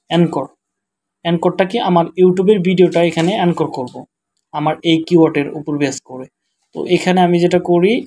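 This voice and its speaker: A tired man with a Bangladeshi accent, speaking quietly and slowly as he walks through a screen-share tutorial. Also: a little high, slight background noise. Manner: quiet, slow, tired-sounding talk. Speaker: web developer teaching SEO.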